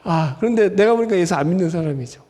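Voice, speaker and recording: In a church sanctuary with long hall reverb, a male pastor delivers an expository sermon conversationally, often putting questions to the congregation. His voice sits high and mellow, and he talks fast and expressively.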